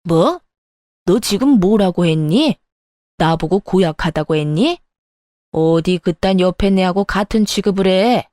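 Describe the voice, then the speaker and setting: A woman's voice: on the low side, lively intonation, a little slow, a little mellow, no echo, studio quality. A woman voicing a domineering older mother-in-law in an audio drama, speaking with harsh, contemptuous scolding. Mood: indignant scolding.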